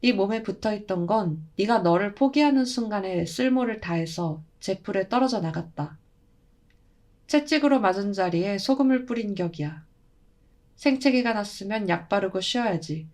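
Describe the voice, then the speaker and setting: A woman's voice: medium pitch, expressive, normal speed, darkish tone, natural voice. A woman voicing an elderly shaman grandmother who lectures bluntly in old-fashioned speech. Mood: stern.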